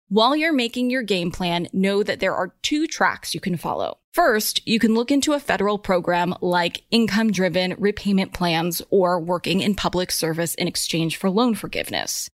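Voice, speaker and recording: A woman's voice: medium pitch, no room sound, studio quality. A woman presenting scripted explanatory commentary as a host, in an emphatic, opinionated way with wry asides. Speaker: host of a personal finance show.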